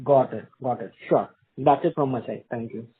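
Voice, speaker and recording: A man's voice: medium pitch, normal speed, slightly rough. A man speaking as a financial analyst, asking wordy questions over the phone on an earnings call. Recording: thin, narrow phone line.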